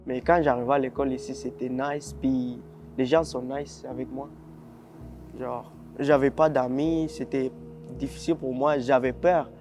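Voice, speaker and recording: A man's voice: medium pitch, fairly even intonation, moderate pace, over music. A fourteen-year-old boy from Congo talking casually and shyly in a documentary testimony. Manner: casual, slangy, shy. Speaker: interviewee.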